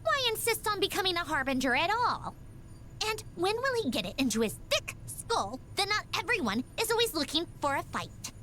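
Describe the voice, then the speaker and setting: A woman's voice: extremely high pitch, sing-song, moderate pace, bright, forceful tone, a little hiss or hum, heavily acted. An actress voicing a proud, ladylike young machine doll in a video game, with a prim, precisely worded delivery. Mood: exasperated. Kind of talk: scripted video game character voice lines. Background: music.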